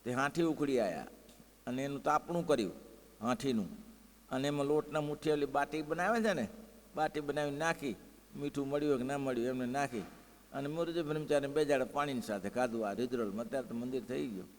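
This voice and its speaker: A man narrating devotional scripture stories in a lively way, acting out the characters' voices. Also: medium pitch, quick pace. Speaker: religious storyteller. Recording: long hall reverb.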